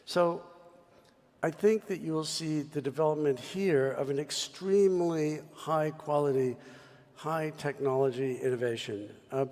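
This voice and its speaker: A man's voice: a little high, unhurried, a little mellow. Man speaking emphatically in a reverberant hall. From United States. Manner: expansive, emphatic speechmaking. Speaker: mining executive panelist. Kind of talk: panel discussion. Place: large conference hall. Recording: long reverb of a conference hall.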